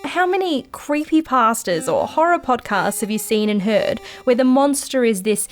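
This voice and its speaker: A woman's voice: on the high side, expressive, normal speed, soft background music, close to an everyday voice. A woman playing a curious, wry podcast host in a conversational, naturalistic audio drama style. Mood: measured, wry.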